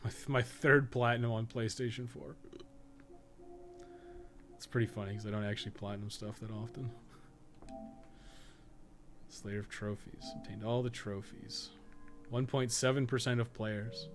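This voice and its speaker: A man's voice: medium pitch, fairly even intonation, moderate pace, long pauses, faint music behind. A man giving casual, rambling livestream game commentary, thinking aloud with some swearing and self-deprecation. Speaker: video game streamer and podcast co-host.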